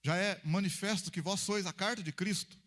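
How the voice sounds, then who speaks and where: A man's voice: high-pitched, moderate pace, fairly bright tone. A pastor preaching a conversational sermon in church, acting out little dialogues between people to make his point.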